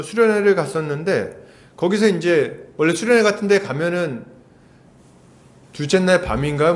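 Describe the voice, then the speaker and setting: A man preaching an expository sermon as a pastor, telling a story and asking the congregation questions. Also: high voice. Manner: storytelling with lively, animated delivery and rhetorical questions. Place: church.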